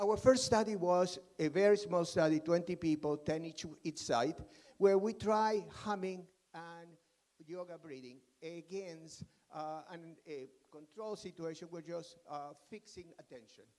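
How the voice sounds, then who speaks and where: A man with a non-native accent talks at a fairly slow pace in a high pitch. His loudness swings widely while his pitch varies in an ordinary way. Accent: noticeable non-native. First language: Spanish. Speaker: researcher. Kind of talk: conference talk. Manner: hesitant, with fillers.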